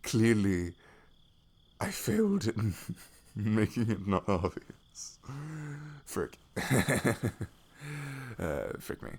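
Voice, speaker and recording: A man's voice: fairly low pitch, wildly swooping pitch, very slow, pauses often, darkish tone, heavily acted. A young American man playing a goofy, affectionate best friend in an intimate ASMR roleplay, chatting in a rambling, self-deprecating way. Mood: relaxed, chatty. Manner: rambling, giggly, self-deprecating, drops into murmurs.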